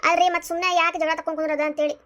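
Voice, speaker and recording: A woman voicing a meek young wife in a cartoon comedy, softly pleading and placating, with a North Karnataka Kannada accent. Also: very high-pitched, little pitch movement, very fast. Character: meek young wife trying to calm her husband.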